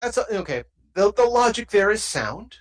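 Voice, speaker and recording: A woman narrating as game master of a tabletop role-playing game, with animated storytelling and quick asides. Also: medium pitch, low-quality recording.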